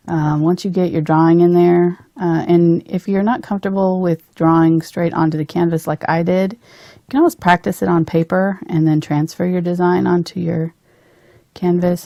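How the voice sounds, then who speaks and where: A woman's voice: on the low side, gravelly, mellow, no echo, clean studio sound. A woman hosting a casual painting tutorial, chatting informally and thinking aloud as she works. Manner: giggly, informal, thinking aloud while working. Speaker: host, painting instructor.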